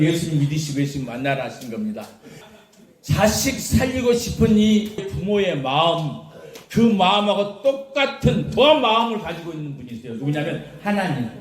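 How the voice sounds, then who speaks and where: A man delivers an animated sermon in a high voice, laughing as he tells his stories and putting questions to his listeners. His voice rings through an echoey church hall. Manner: animated storytelling with laughter, asks the congregation questions. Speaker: pastor. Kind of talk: lively sermon.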